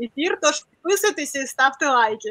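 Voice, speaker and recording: A woman's raised, projected voice with a bright, sharp tone at a very fast pace, in a dry, close sound with no echo. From Ukraine, Kyiv. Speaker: fantasy writer, co-host. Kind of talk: self-introduction.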